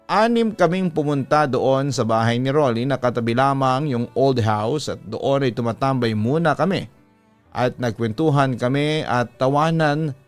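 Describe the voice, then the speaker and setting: A man's voice: medium pitch, moderate pace. A man with a Filipino accent narrating a scripted first-person horror story, reading out a letter as the storytelling host. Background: background music.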